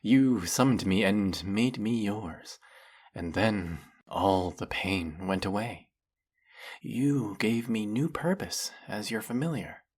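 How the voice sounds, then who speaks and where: Man playing a very low, husky devoted demon servant. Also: exaggerated voice. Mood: reverent. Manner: fawning, theatrical, formal servile diction. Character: flirty, fanatically devoted male demon familiar, obsessive servant. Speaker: voice actor. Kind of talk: dramatic roleplay monologue spoken to the listener.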